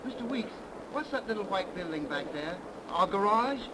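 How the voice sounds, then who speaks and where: An actor playing a boyish, eager, teasing young nephew in a 1930s radio drama, on a noisy old broadcast. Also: male voice, high voice, lively intonation, normal speed. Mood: breezy, eager. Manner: boyish, breezy.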